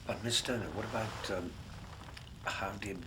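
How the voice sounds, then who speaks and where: An actor playing a calm Victorian army doctor who asks short, tentative questions. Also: male voice, lowish voice, normal speed, slight background noise. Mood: inquiring.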